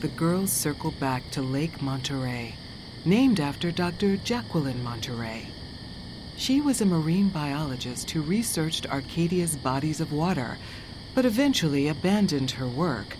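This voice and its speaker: A woman's voice: low-pitched, expressive, moderate pace, noisy background. A woman performing scripted narration as the solemn storyteller of an eerie audio drama. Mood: expository. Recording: clear cricket and animal ambience behind.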